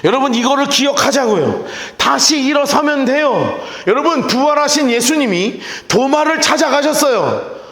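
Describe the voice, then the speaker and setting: Animated pastor preaching in echoey church. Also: male voice, very high-pitched, normal speed. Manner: animated preaching, asks the congregation questions and acts out quoted voices. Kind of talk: sermon. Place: church sanctuary. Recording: echoey church hall with long reverb.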